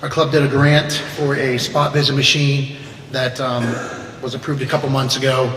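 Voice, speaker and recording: A man's voice: medium pitch, flat delivery, moderate pace, a crowd in the background. A man reading out a biographical introduction of a guest speaker at a club meeting. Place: large echoey meeting room. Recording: echoey hall with background noise.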